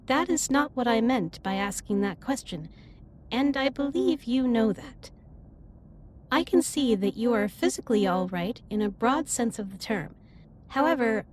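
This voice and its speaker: A woman performs a female alien starship captain with a fairly high voice. She speaks formally and precisely, with earnest care, in an intimate sci-fi audio drama. There is clear ambient noise behind her. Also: expressive, lightly acted. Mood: caring, concerned. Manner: formal, precise, stilted wording with measured delivery. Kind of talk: scripted roleplay audio drama, intimate one-sided dialogue.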